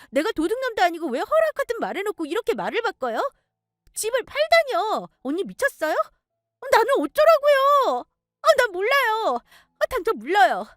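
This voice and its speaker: A woman voicing a whiny, entitled young sister-in-law in a told story, with a shrill, high-strung delivery. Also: fairly bright tone, dry recording, clean studio sound, exaggerated voice.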